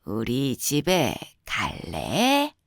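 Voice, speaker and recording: A woman puts on a kindly old grandmother for a children's storybook. The voice drops low and goes soft and unhurried, tender toward a small listener, in a dry, close recording. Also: wildly swooping pitch, dry recording, exaggerated voice. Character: kind, gentle old grandmother comforting a stray puppy.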